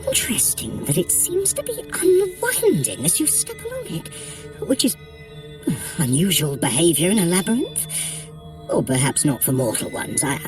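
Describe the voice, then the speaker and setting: A woman's voice: on the low side, wildly swooping pitch, normal speed, darkish tone. A woman playing a sly, haughty trickster deity in an audio adventure workout, with an arch, droll, condescending delivery. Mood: wry, commanding. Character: sly, haughty trickster deity guiding a mortal through a heist. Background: music.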